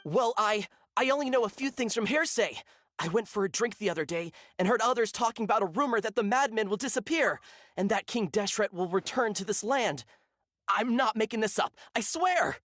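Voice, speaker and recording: A man voicing a zealous, gossipy desert villager with an earnest, excitable manner in a video game. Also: high-pitched, fairly quick, no echo, clean studio sound. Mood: pleading, earnest. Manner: earnest, excitable, stammering when cornered.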